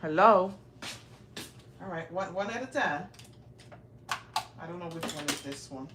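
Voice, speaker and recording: A woman's voice: lowish voice, lively intonation, a little slow, a bit bright. Woman, 40s, raised in Brooklyn, casual live-stream host, talks to viewers directly, phone mic, echoey rooms, faint background hiss. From raised in Brooklyn, New York. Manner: chatty, keeps addressing viewers directly. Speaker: livestream host. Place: indoor home, small rooms. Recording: roomy home audio, faint noise.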